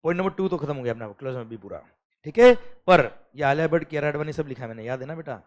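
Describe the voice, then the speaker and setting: A male teacher gives a lecture with a slightly higher pitch than most men. He coaxes his students, keeps checking that they follow, and slows to a careful word-by-word pace when he reads legal text. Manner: animated, coaxing, mixes English phrases, calls students beta.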